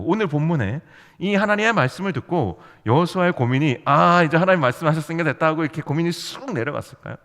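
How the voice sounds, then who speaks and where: A man preaching a sermon as youth pastor, playful and storytelling, full of rhetorical questions to the congregation. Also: on the high side. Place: church sanctuary. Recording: long hall reverb.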